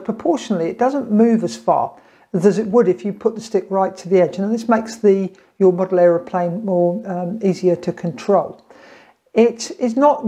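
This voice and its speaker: Husky, mellow middle-aged man. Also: high voice. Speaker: tutorial presenter. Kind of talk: informal step-by-step instructional talk.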